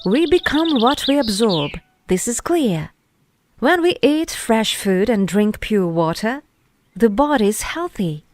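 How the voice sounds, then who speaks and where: A woman reading a scripted spiritual voice-over in a measured, deliberate way, phrase by phrase with pauses. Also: a little high, big pitch swings. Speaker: narrator reading an article. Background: music.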